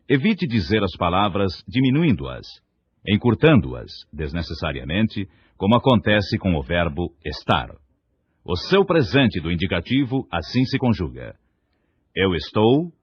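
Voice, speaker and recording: The husky, low voice belongs to a man from Brazil teaching diction from a script. Each syllable is enunciated with meticulous care, and the recording quality is dull and lo-fi.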